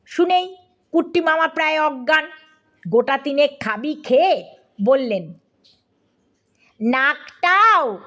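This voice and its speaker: A woman narrating a comic audiobook story in a lively, playful way, speaking to the listener. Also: high voice, moderate pace.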